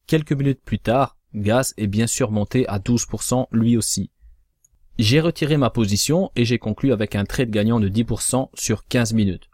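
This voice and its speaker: A man giving a measured, cautionary voice-over that walks through trading charts. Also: on the low side, a little mellow, no room sound, clean studio sound. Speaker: crypto trading analyst. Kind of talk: scripted chart analysis voice-over.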